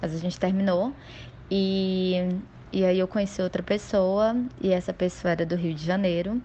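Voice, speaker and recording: A woman speaks in a plain, everyday voice at a medium pitch. Her intonation stays fairly even and her pace is moderate. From Fortaleza, northeast Brazil. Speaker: listener. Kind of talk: voice message.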